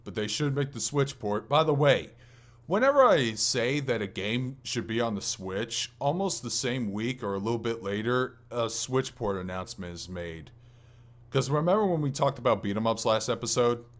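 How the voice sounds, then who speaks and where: A man's voice: medium pitch, lively intonation, moderate pace. A man co-hosting a casual gaming podcast, talking enthusiastically in loose, slangy language with some mild swearing. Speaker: podcast co-host.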